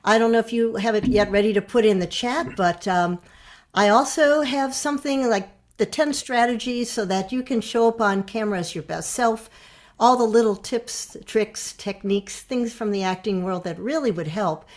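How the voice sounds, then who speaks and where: A woman's voice: a little high, moderate pace. Upbeat woman hosting a masterclass. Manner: upbeat, promotional offers. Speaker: on-camera presence coach. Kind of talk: live online masterclass hosting.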